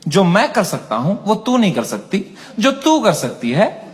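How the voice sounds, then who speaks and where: A male stand-up comedian telling a story in an animated, crude, self-mocking manner, recorded live on stage. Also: high voice, unhurried. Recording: live stage with audience and noise. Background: audience laughter and room noise.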